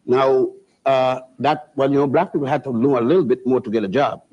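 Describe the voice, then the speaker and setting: An older man from Puerto Rico, a guest historian who lectures with halting restarts and spells words out letter by letter. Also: mid-range voice, fairly even intonation, darkish tone. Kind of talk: lecturing TV interview. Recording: dull lo-fi TV audio.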